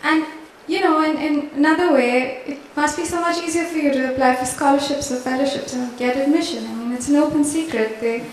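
Young woman as a nosy condescending acquaintance, breezy questions, high voice, roomy hall, heard from afar. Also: a little fast, hardly any pauses, slight background noise, natural voice. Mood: patronizing. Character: prying, patronizing young woman questioning a stranger. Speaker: performer in a staged dialogue. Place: large wooden-walled hall. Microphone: handheld mic. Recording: roomy hall sound from a distance.

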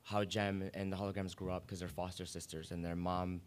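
A young man on a panel, telling fan stories excitedly with bursts of laughter at a table mic. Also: low voice, a little fast, a little hiss or hum. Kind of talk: casual panel chat. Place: indoor meeting room at a panel table. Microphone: table mic on stand.

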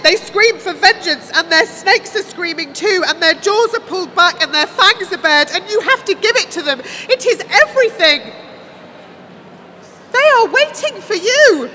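A woman's voice: high-pitched, expressive, a little slow, pushed and bright, a little hiss or hum, full character voice. A woman voicing a frantic, fearful young prophetess gripped by visions, speaking in repetitive, fervent outbursts for an audiobook. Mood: frenzied. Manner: repetitive, breathless outbursts, screaming at peaks.

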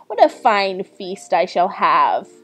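A woman's voice: mid-range voice, very animated, slow pace, fairly bright tone, full character voice. A woman voicing a wicked, greedy old witch in a storybook tale, gloating and commanding.

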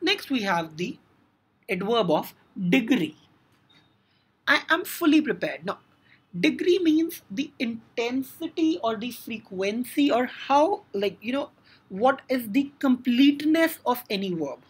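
A woman's voice: on the high side, big pitch swings, a little slow, slightly rough. A woman with an Indian English accent teaching a grammar lesson, explaining step by step with frequent "now" and "so".

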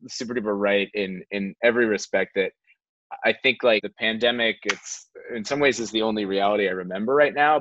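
A man in his thirties talking earnestly and haltingly at a roundtable over a video call, hedging as he makes an impassioned point. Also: on the low side, a bit bright. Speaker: theatre artist, panel guest. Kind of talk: impassioned casual roundtable talk. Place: living room at home, on a video call. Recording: muffled, roomy video-call audio.

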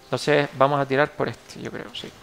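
A young man with a Canarian Spanish accent talks through a strategy game, thinking aloud, trailing off and correcting himself. His voice sits at an ordinary pitch with a gravelly, creaky edge. A faint hiss of noise runs underneath. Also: level tone, moderate pace, a bit bright. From Canary Islands, Spain. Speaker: gameplay tutorial host. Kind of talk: casual gameplay commentary.

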